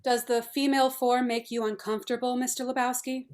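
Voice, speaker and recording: A woman playing a brisk, haughty feminist artist in a script read, speaking in a formal, clinical, matter-of-fact way. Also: a little high, little pitch movement, darkish tone, natural voice. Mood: brisk, detached. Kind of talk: table read of a film script.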